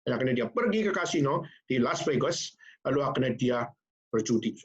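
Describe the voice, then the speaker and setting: A male pastor telling a story during a sermon, animated and speaking straight to his congregation. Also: mid-range voice, fairly quick, highs cut off.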